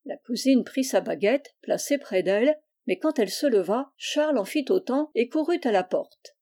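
A woman narrating a classic children's novel in an even, measured reading voice. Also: fairly high pitch. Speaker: audiobook reader. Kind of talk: storybook narration.

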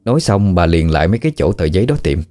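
A man with a Southern Vietnamese accent narrates a ghost story in a steady, measured way. His voice is very low and dark, with a warm, mellow tone. Faint music plays underneath. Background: faint background music.

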